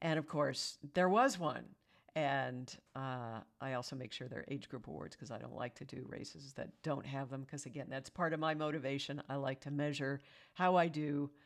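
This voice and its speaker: A woman's very deep, low voice with vocal fry, ordinary pitch variation and big swings in loudness, in a very clean recording with a silent background. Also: moderate pace. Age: 70s. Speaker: older runner and fitness vlogger. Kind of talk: casual vlog talk.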